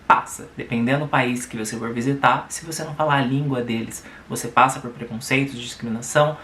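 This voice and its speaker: A man's voice: medium pitch, steady tone, quick pace, fairly bright tone, roomy sound, a little hiss or hum. A Brazilian man with a Brazilian Portuguese accent, hosting his channel and reading a viewer's letter aloud with chatty commentary and tag questions. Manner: conversational, adds tag questions. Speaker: YouTube host.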